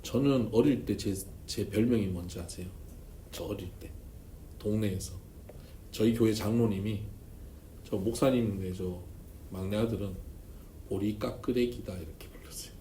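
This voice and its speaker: A man's voice: fairly low pitch, moderate pace, pauses often. A man, a pastor, preaching at a church seminar and telling stories with humor and sudden emphasis. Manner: storytelling with humor, emphatic swings in loudness. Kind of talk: seminar sermon. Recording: echoey church room, faint noise.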